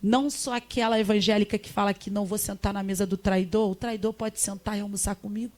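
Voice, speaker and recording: A woman giving an emphatic, animated testimony as a guest on a Christian talk show. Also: medium pitch, fast. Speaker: guest, missionary.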